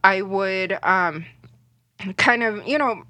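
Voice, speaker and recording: Young woman, Cantonese native, bright voice, rambling, filler-heavy, interview guest. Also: medium pitch, slow pace, dry recording. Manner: chatty, rambling, heavy on fillers like "you know". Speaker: sports reporter, guest. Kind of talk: casual interview chat.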